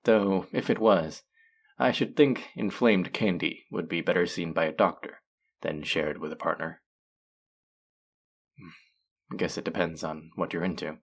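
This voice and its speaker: A man's voice: deep voice, unhurried, long pauses. A man playing a teasing, sardonic, flirtatious male faerie in a scripted audio roleplay. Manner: sardonic, teasing, drawling with sighs.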